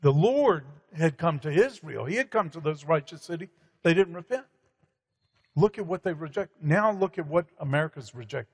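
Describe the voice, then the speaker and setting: Emphatic preacherly man, slightly high voice. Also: expressive, normal speed, husky. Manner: emphatic, preacherly, many fillers. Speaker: guest speaker. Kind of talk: conversational preaching. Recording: hall reverb.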